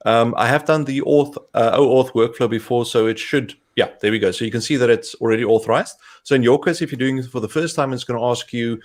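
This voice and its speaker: A young man with a South African accent, co-hosting a tech stream and talking through a live coding demo step by step in a relaxed way. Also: mid-range voice, fairly quick, few pauses. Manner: talks through steps as he clicks, relaxed. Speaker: co-host, developer advocate.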